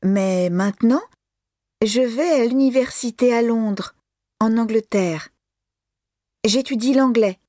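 Woman playing a young student girl, 20s, slow careful reading, dry close sound. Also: on the high side, dry recording. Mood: friendly. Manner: slow, careful, even delivery. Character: young woman student, cheerful aspiring journalist. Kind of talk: scripted listening-exam monologue.

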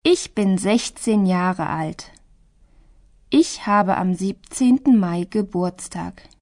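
Slow-speaking teenage German girl, played by a woman. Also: medium pitch, a little mellow. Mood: plain, measured. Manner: deliberate, carefully articulated. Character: Petra, sixteen-year-old German girl introducing herself. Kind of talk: slow scripted language listening exercise.

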